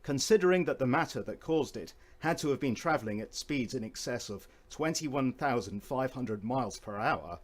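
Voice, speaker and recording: A man reading scripted documentary narration in a measured, formal storytelling manner. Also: medium pitch, slightly rough.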